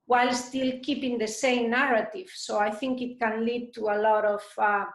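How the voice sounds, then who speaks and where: Woman, middle-aged, slow careful thinking out loud, restarts a lot, echoey sound. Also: a little high, fairly even intonation. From Spain. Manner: thoughtful, hesitant, many restarts. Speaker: dharma talk speaker. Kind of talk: group discussion answer. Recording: roomy echo.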